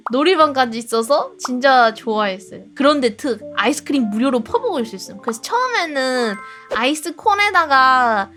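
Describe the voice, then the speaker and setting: A young woman streamer chatting casually and telling animated childhood stories with lots of laughter. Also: high-pitched, moderate pace, faint music behind. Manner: animated storytelling with frequent laughs and acted-out shouts. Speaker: streamer reacting to videos and reading chat.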